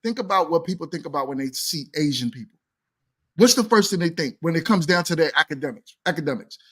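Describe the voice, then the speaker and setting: High-voiced man arguing a point. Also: expressive, fast, a bit bright, husky. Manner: argumentative, pushes back. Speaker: podcast co-host. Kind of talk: casual panel chat.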